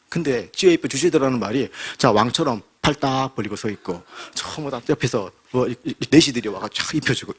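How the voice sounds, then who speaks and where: A man, a pastor, preaching a sermon with vivid storytelling and rhetorical questions, dropping to a hush and rising again. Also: mid-range voice, slightly rough. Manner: dramatic storytelling, rhetorical questions, swings between loud and hushed. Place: church sanctuary.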